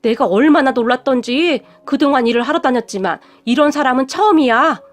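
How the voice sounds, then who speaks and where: A woman voicing a weary, proud middle-aged mother who sighs and pleads, speaking fairly high. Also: brisk, lightly acted. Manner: sighing, pleading, stubborn.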